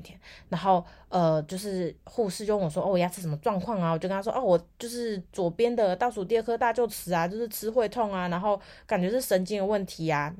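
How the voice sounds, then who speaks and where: A young woman with a Taiwanese Mandarin accent hosting a podcast, telling a story in a chatty, animated way and acting out the people she quotes. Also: fairly low pitch. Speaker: podcast host. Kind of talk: casual storytelling monologue.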